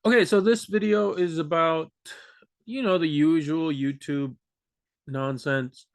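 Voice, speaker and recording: A man's voice: a little high, fairly even intonation, unhurried, dry recording, studio quality. A man from Peru whose first language is Spanish, rambling self-deprecatingly and unscripted in a language vlog recorded at a computer, with many fillers and restarts. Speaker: language vlogger. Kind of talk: unscripted rambling talk to camera.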